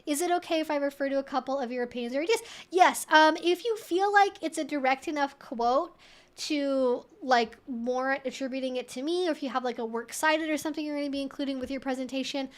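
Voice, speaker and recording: A woman hosts a casual question-and-answer livestream, speaking fast in a high-sitting voice. She's animated and emphatic, adding conversational asides.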